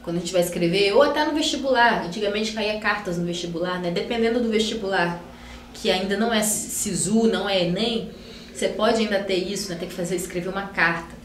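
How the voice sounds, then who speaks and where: A woman's voice: medium pitch, fairly quick. A Brazilian woman teacher giving a recorded online grammar class, chatty, often tagging "né?" and using cute diminutives as she writes on a board. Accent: Brazilian Portuguese. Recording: echoey room, faint hum.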